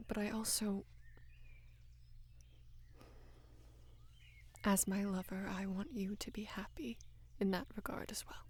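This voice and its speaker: A young woman playing a devoted, lovestruck female knight in an intimate roleplay audio, speaking in a hushed, breathy, halting and earnest way. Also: mid-range voice, level tone, natural voice. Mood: tender, intimate. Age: young adult. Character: devoted female knight, tender, anxious, in love with queen. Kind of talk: intimate roleplay audio, soft acted monologue.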